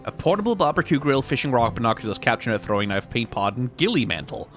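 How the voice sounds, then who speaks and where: A man's voice: medium pitch, very animated, fast, a bit bright, soft background music. A man giving casual video game commentary, musing aloud to himself as he plays. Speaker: gaming streamer. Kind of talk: casual let's play commentary.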